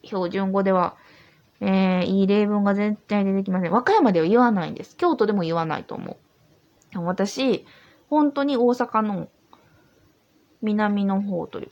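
A woman's voice: mid-range voice, creaky, a little mellow, dull audio. A tipsy woman with a Kansai accent hosts a solo podcast, chatting in an easygoing, rambling way from an old house. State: tipsy from drinking. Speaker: podcast host. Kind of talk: casual solo podcast chat.

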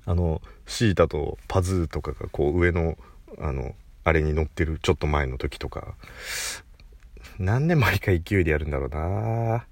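A man hosting his own casual solo talk show, chatty and animated, laughing at himself as he rambles. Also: rumbling low, normal speed, no echo. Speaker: podcast host.

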